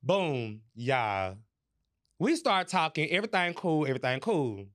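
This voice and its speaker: A man hosting a podcast, telling a story in casual chat, animated and profane, laughing as he goes. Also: a little high, a little slow. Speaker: podcast host.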